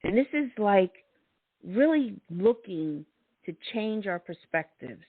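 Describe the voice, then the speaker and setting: A middle-aged woman gives a motivational talk, hammering her key words with repetition. She speaks slowly and deliberately. The sound is dry and narrow, as if over a telephone line. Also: medium pitch, very animated, breathy edge, no room sound. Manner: emphatic, repeats key words, laughs often. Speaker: host. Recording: thin phone-like sound.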